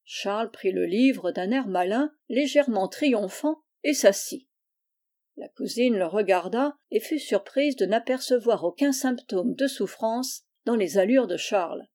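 A woman narrating a classic children's novel in an even, measured reading voice. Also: fairly high pitch. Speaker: audiobook reader. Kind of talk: storybook narration.

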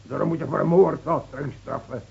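An actor playing a gruff village tavern keeper in a radio play, scoffing, curt and bossy. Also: male voice, fairly high pitch, fairly even intonation, a little fast, darkish tone, heavily acted. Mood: harsh, dismissive. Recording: muffled, noisy old radio recording with hum.

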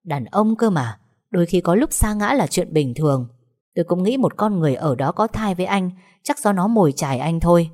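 A woman voicing a betrayed young wife in an audio story, bitter and often shouting. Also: on the low side, lively intonation, a little fast. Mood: bitterly controlled.

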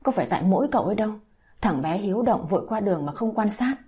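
A woman's voice: mid-range voice, expressive, rapid-fire, warm tone, lightly acted. A woman voicing a stern grandfather in an audio story who scolds his wife and then comforts her. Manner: stern, reproachful.

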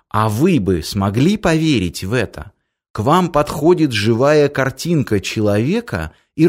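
Guy reading a story out loud, super slow and careful, normal pitch. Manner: slow, measured reading with long pauses. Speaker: audiobook narrator. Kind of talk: first-person story narration.

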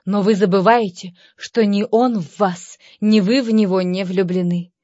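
A woman voicing a nervous, lisping gentleman suitor who speaks in melodramatic, despairing exclamations for an audiobook. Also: medium pitch, steady tone, measured pace, dry recording, natural voice. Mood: anxious. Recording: slightly dull dry recording.

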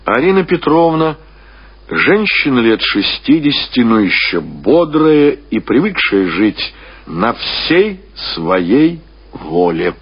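A man reading classic fiction as a narrator, in measured, expressive storytelling with deliberate pauses. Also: medium pitch, husky. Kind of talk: scripted literary narration. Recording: dull, lo-fi radio-style recording.

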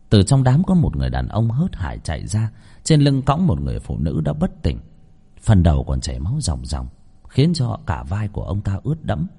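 A man narrating a ghost story with a dramatic, lively reading. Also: on the low side, vocal fry, breathy edge.

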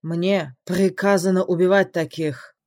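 A man voicing a relentless female robot who speaks in a slow, dutiful, flat contralto. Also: high voice, no echo, studio quality, voice pushed up. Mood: cold dutiful.

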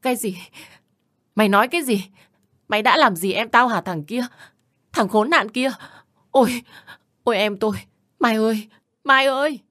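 A man's voice: very high-pitched, moderate pace, pauses often, sharp tone, voice pushed up. A man doing a hysterical grieving young woman. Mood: frantic grief. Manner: sobbing, wailing cries. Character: grieving young woman, hysterical over her dead sister.

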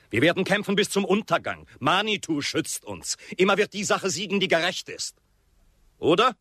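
An actor playing an arrogant white railway chief in a radio drama, with a sardonic, rhetorical, theatrical way of talking. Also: male voice, fairly high pitch, pushed and bright, no echo, full character voice. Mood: mocking.

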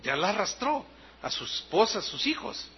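Mexican pastor preaching, high husky voice, dull lo-fi recording. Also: male voice, moderate pace. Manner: animated, acts out scenes, explains words. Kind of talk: sermon.

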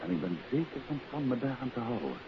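A man playing a shrewd, urbane detective husband in the expressive manner of 1950s Dutch radio drama. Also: medium pitch, quick pace, close to an everyday voice. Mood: pensive, wary. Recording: dull, hissy 1950s radio recording.

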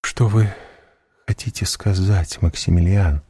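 Distraught young noblewoman, put on by a gravelly male reader, pleading and urgent. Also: steady tone, unhurried, warm tone, no echo, clean studio sound, heavily acted. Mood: distressed. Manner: raised pitch, tearful urgency.

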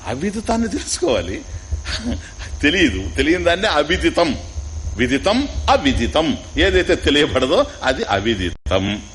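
A man's voice: fairly high pitch, huge pitch swings, unhurried, a bit bright, a little hiss or hum, rough recording. A man with a Telugu accent giving a spiritual discourse on scripture, teaching through questions and repetition and mixing in English words. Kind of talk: Upanishad discourse.

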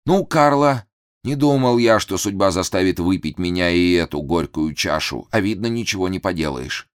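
A man's voice: deep voice, big pitch swings, normal speed. A man voicing an old male doctor who is frightened, shaky and given to agitated outbursts. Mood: grave. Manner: shaky, pleading, fearful outbursts.

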